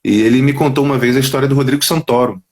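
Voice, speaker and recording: A quick-talking man tells stories from his work as a voice actor. His pitch sits in the middle, and he rattles along, slipping into little quoted voices. He is heard over a video call. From Brazil. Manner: quick, animated storyteller, drops into quoted voices. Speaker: voice actor guest. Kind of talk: casual interview chat. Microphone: headphones on a video call.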